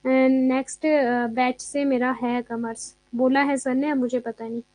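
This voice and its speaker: A woman's voice: high voice, level tone, a little slow, a little mellow, dry recording. A young woman teaching a live online exam class in a chatty way, mixing in English terms and answering students' comments as she goes.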